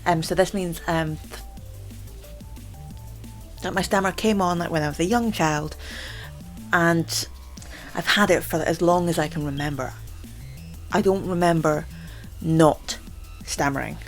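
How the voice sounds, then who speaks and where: A young woman with a low voice talks casually to the camera about herself. Her speech catches and repeats as she stammers, with many fillers. Soft music plays faintly behind her. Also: measured pace, long pauses. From Scotland. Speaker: channel host. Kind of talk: casual vlog chat.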